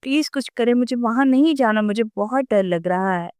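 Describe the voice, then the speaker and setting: A woman's voice: a little high, a little mellow, smooth, no room sound, clean studio sound, lightly acted. A woman reading the lines of a frightened young female student who pleads for help through tears. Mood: pleading. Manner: pleading, tearful.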